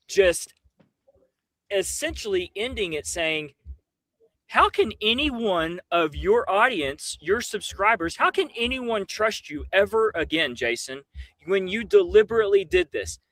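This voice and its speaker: A man with a high voice that swings widely in pitch, ranting casually on a livestream. He is emphatic and incredulous, with slangy, profane phrasing. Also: no room sound, poor audio. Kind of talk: animated casual livestream rant.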